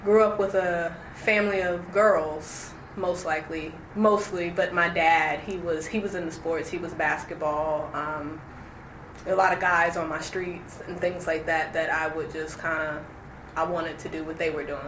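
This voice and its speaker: Young woman, lowish voice, reflective and hesitant, echoey noisy room. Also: steady tone, moderate pace. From Roanoke, Virginia. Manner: reflective, hesitant, many fillers and restarts. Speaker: interviewee. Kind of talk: oral history interview.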